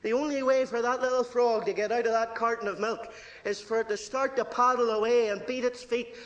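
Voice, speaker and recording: A man with a Northern Irish accent preaching a verse-by-verse sermon. He moves between hushed asides and ringing declarations, and he calls his listeners "friend". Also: extremely high pitch, fairly even intonation, fairly quick. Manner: addresses listeners directly as friend.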